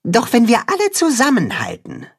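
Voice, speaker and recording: A woman voicing a clever cat-hen who hands out orders to farm animals in a storybook reading, in a brisk, commanding way. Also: on the high side, wildly swooping pitch, gravelly, slightly rough, voice pushed up, exaggerated voice.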